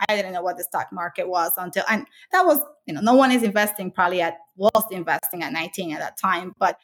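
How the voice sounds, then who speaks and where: A woman's voice: lowish voice, fast talker. A middle-aged woman from the Dominican Republic, talking earnestly in an interview about her work and life, with frequent restarts and fillers. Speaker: author and interviewee. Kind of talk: conversational interview.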